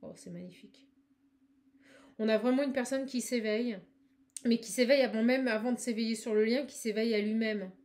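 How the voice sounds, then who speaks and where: A woman giving a spiritual card reading to viewers. She talks fast and effusively, with many exclamations, and addresses the listener directly. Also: fairly high pitch, fairly even intonation, a little mellow. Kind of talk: live tarot-style channeling reading.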